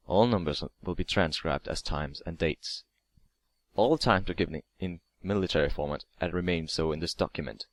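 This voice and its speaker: A man's voice: low-pitched, no room sound. A man reading a scripted creepypasta story aloud as narrator, now and then stumbling over and repeating words. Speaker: narrator of online horror stories.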